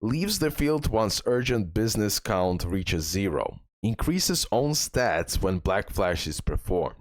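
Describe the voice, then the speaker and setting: A man's voice: on the low side, big pitch swings, slow pace, dry recording, clean studio sound. A man hosting a game guide, reading out skill descriptions and giving tips informally, addressing viewers directly and repeating points for emphasis. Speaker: gaming content creator and host.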